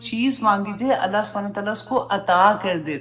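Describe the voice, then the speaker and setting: A woman speaks at a medium pitch. The room has an audible echo, and there is noticeable background noise. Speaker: Islamic religious teacher. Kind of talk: religious lecture. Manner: slow.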